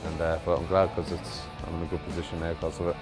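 A man's voice: sits low, level tone, quick pace, a little mellow. A man with an Irish accent, a visiting mural artist talking casually and rambling a little in an interview. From Ireland. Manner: easygoing, rambling with fillers. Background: music bed.

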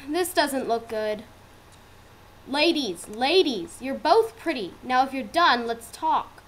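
A woman's voice: sits high, expressive, slow, exaggerated voice. A woman voicing an exasperated, firm female cartoon wolf in an amateur audition, on a noisy computer microphone.

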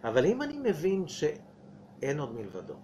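Animated rabbi lecturing. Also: male voice, on the high side, slight background noise. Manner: animated, rhetorical questions to audience, acts out dialogues. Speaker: rabbi teaching Kabbalah. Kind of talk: weekly Torah portion lecture.

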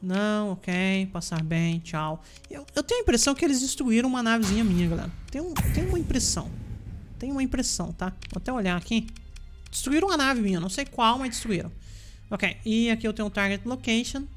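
A woman with a Brazilian Portuguese accent hosting a let's play, commenting chattily with excitable reactions to the game. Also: on the high side, fast talker. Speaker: gaming channel host. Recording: voice over loud game music. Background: game music.

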